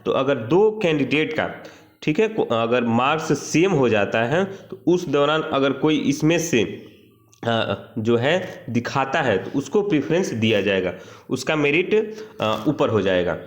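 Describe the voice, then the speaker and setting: A man's voice: mid-range voice, expressive, a little slow. A man giving an informal instructional walkthrough as a coaching teacher, reading out details and commenting, with frequent check-in tags. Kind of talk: informal explainer of a job notice, reading and commenting.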